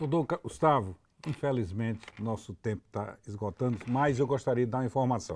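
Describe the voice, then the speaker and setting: With a normal speaking voice, a man talks at a moderate pace and medium pitch, with ordinary pitch variation, on a very clean recording with a silent background. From Bahia sertão, Brazil. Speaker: politician, show host. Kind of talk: interview talk show.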